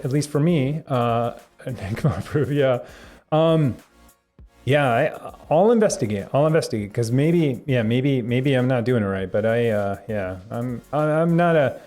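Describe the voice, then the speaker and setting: A young man hosting a live tech stream, answering viewer chat in a rambling, halting way with lots of fillers and restarts. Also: medium pitch, darkish tone. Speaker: tech livestream host.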